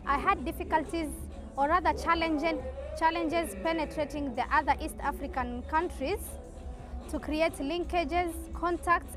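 A woman exhibitor at a trade fair giving a measured, formal testimonial. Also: high-pitched. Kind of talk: prepared testimonial.

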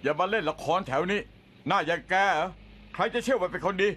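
A man's voice: sits high, fast talker, bright, forceful tone. A man dubbing a jaded veteran cop into Thai, blunt and scolding with dry sarcasm. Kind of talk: Thai dub of a TV drama.

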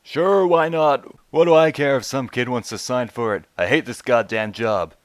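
A man's voice: medium pitch, moderate pace, dry recording, studio quality, close to an everyday voice. A man voicing a grumpy, blunt deliveryman in an anime parody, sarcastic and fed up.

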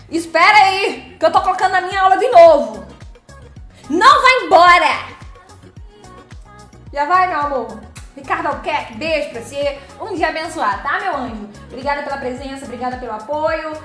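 On a casual live stream, a woman with a high-pitched, slightly bright voice reads through the chat and playfully teases her audience. Echo from the room and faint background music come through in the recording.

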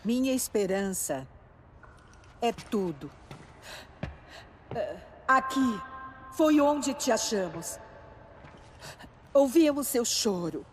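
An actress playing a devout, solemn old tribal matriarch in a video game, earnest and reverent. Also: female voice, a little high, very animated, takes it slowly, pauses often, a little hiss or hum.

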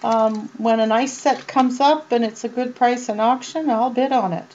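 A woman vlogger doing a casual show-and-tell of jewelry, chatty and unhurried, with many ums and uhs. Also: a little high, fairly even intonation, darkish tone. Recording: dull lo-fi sound with mains hum.

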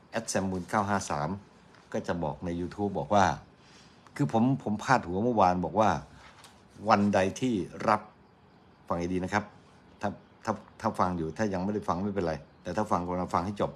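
A man's voice: on the low side, slightly rough. A middle-aged man from Thailand giving casual, argumentative morning news commentary on radio, chatty and quoting his critics mockingly.

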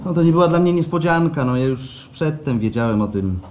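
An actor playing an anxious office worker in a live radio play, halting and apologetic, often repeating himself. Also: male voice, on the high side, lively intonation, natural voice. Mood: apologetic, resigned. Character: anxious, hesitant male office worker turned patient. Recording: live stage recording with background noise.

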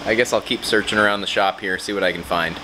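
A man's voice: fairly low pitch, steady tone, fast talker, background noise. A man in his thirties talking casually for a vlog, musing aloud as he goes. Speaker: amateur radio video maker. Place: garage workshop and open field.

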